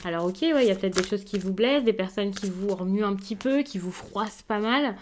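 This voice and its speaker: Gentle woman reading tarot cards. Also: medium pitch, a little fast, slight background noise. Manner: gentle, reassuring, with frequent hesitations. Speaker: tarot card reader. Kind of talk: casual tarot reading to camera.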